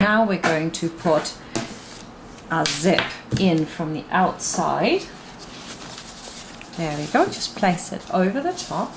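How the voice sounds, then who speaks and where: Against noticeable background noise, a woman with a fairly low pitch speaks at a very slow pace with ordinary pitch variation and long, frequent pauses. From Germany. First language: German. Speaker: seamstress and sewing teacher. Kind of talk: sewing tutorial talk to camera. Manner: casual, upbeat.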